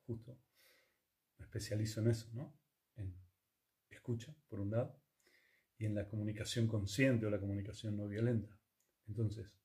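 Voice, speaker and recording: A man, teaching yoga and conscious communication in a calm, reflective talk full of rhetorical questions. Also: on the low side. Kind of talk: reflective spiritual talk to listeners.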